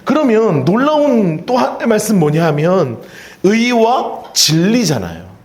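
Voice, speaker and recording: Animated high-voiced preaching pastor. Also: male voice, unhurried. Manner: animated preaching, acting out Bible dialogue and leading call-and-response. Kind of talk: sermon. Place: church sanctuary. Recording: echoey church sanctuary.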